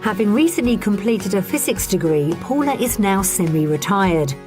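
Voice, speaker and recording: A woman presenter giving measured, informative scripted voice-over for a television property programme. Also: mid-range voice, sing-song. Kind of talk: scripted TV narration. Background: background music.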